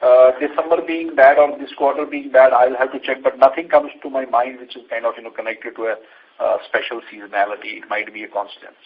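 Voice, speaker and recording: A man with an Indian accent, an executive giving unscripted answers on an earnings call in a halting way, often repeating phrases. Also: mid-range voice, steady tone, slightly rough. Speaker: company executive answering investor questions. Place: conference call line. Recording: dull lo-fi conference call audio.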